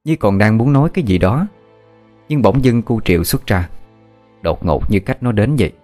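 Guy reading a ghost story, lowish voice, faint music behind. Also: darkish tone.

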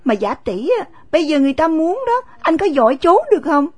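A woman's voice: high-pitched, moderate pace, dry recording, lightly acted. A woman voicing a sulky, scolding young country woman in an audio story. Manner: pouting, scolding.

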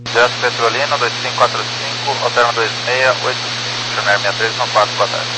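A man speaking as a pilot in air traffic control radio readbacks, with brisk, courteous procedural phrasing. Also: medium pitch, steady tone. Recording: noisy cockpit radio with mains hum.

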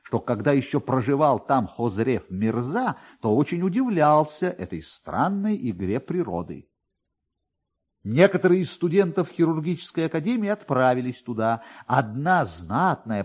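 A man reading a satirical literary story for radio in a theatrical, expressive way, with pointed pauses and emphasis. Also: medium pitch. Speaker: narrator, actor reading a classic satirical story. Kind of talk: dramatic literary narration for radio.

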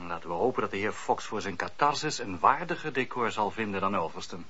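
An actor playing a courteous, calculating magistrate of olden times in a radio drama, speaking in formal, courtly phrases. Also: male voice, fairly low pitch, expressive, fairly quick, sharp tone, husky, heavily acted. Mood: dry, probing. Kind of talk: period radio drama acting. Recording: dull, muffled old radio recording.

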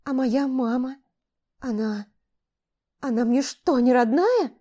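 A woman's voice: fairly high pitch, expressive, unhurried, mellow, lo-fi sound, pitched above the performer's own voice. A woman reading a distraught young fantasy heroine. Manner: emotional, pleading, raised voice. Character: young heroine, frightened and indignant. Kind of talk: audiobook character voicing.

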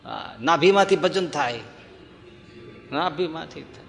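A man's voice: a little high, a little slow, gravelly. Storytelling man in a reverberant hall. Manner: animated storyteller acting out dialogue. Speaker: spiritual discourse speaker. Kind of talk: devotional storytelling sermon.

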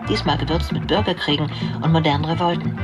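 A man as a factual documentary narrator in a radio drama, reading a script in a measured, articulate way. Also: a little high, fairly even intonation, natural voice. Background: music.

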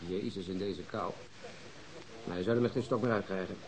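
A man's voice: deep voice, brisk, lightly acted, rough recording. An actor playing a sociable, teasing policeman chatting over drinks in a radio drama.

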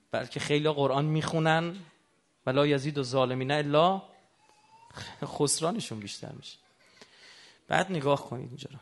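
A man giving a religious sermon who keeps putting rhetorical questions to his audience. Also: mid-range voice. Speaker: religious lecturer.

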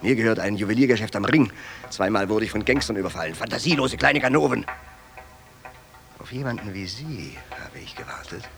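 An actor playing an insistent, menacing and calculating wealthy jeweler in a radio drama. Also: male voice, on the low side, a little fast, creaky, music in the background.

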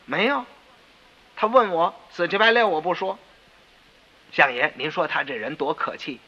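A man's voice: very animated, moderate pace, pushed and bright, heavily acted. A man with a Beijing accent playing a timid, whining house steward who pleads with his master. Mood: meek. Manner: low, meek and pleading. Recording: dull lo-fi radio recording.

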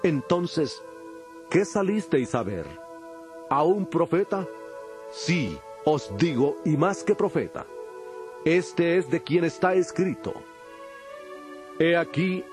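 A solemn teacher addressing crowds in a dramatized Bible recording. His voice sits slightly high for a man, and his delivery is measured and declamatory, with music underneath. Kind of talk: dramatized audio Bible acting.

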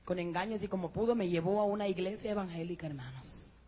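A woman giving an emotional church testimony, speaking to listeners as brothers and rising to high, excited peaks. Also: quick pace, husky. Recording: muffled lo-fi church recording.

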